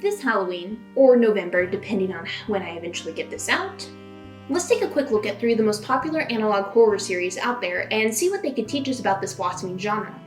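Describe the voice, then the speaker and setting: A woman's voice: medium pitch, expressive, fast, poor audio. A woman hosting and narrating a scripted video essay in a conversational way, leaning into dramatic emphasis. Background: background music.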